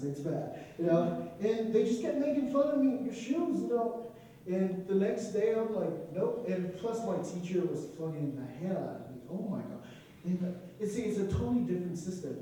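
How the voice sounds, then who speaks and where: A man's voice: high-pitched, mellow, slight background noise. A young man from Nigeria with a Nigerian accent, telling a personal story to an audience, earnest and emotional with asides. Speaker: student speaker. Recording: echoey room, distant from the mic.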